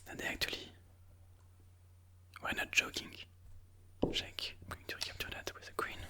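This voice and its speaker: An ASMR host gives chess commentary entirely in a breathy, unvoiced whisper, taking a slow and deliberate approach to explaining each move.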